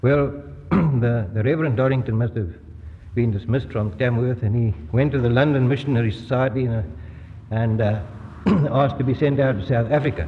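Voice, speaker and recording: Somewhat breathy, a man speaks at a fairly quick pace. Light background noise sits behind him. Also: ordinary pitch variation. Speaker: guest. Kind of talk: lecture. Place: hall. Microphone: old recording.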